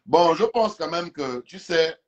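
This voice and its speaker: Man, from Gabon, Fang native speaker, slightly high voice, emphatic, repeats words, phone video call, lying on a couch. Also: animated, measured pace, dull audio. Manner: emphatic, repeats words while searching for them. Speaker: live stream guest. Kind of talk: casual debate over a video call. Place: indoors, lying on a couch at home. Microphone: phone camera held close.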